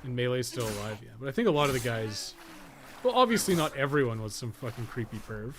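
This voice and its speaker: A man's voice: medium pitch, animated, fast talker, fairly bright tone. A man doing casual live gameplay commentary, thinking aloud and swearing freely as he plays. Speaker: game streamer and guide writer.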